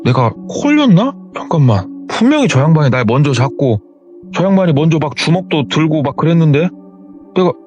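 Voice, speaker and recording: A man's voice: a little high, sing-song, a little fast, a little mellow, soft background music, voice pushed up. Man doing a rattled young guy, rambling and flustered, lots of ups and downs. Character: panicked young man fleeing by car.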